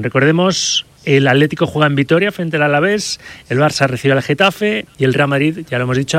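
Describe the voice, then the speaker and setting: A man's voice: on the high side, no room sound. A man hosting a live sports radio show, putting questions to his panel and moving things along. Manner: lively, poses questions to the panel.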